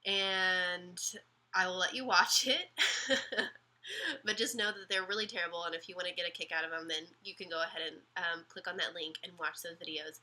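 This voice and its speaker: A young woman vlogging casual advice, sick and slightly raspy, chatty with lots of ums and restarts. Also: lowish voice, fairly even intonation, normal speed, sharp tone.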